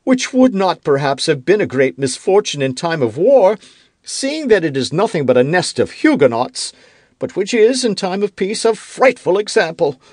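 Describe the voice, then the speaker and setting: A man voicing a fretful, self-pitying king who turns irritable and accusing, with a high, whiny, petulant voice in an audiobook. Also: big pitch swings, moderate pace, a little mellow, dry recording, studio quality. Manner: rising into indignant outbursts. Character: fretful, self-pitying middle-aged king, quick to anger. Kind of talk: audiobook character reading.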